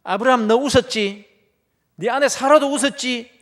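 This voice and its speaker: A man voicing God as a stern male figure angrily scolding, shouting his rebukes. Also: very high voice, moderate pace, in a large hall, voice pushed up. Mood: angry scolding.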